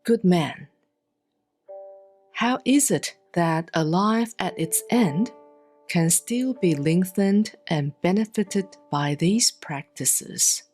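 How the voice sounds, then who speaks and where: A woman giving a solemn, scripted reading of scripture in measured, deliberate phrases with frequent pauses. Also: on the low side, animated, darkish tone, soft background music. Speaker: sutra reader, Buddhist nun.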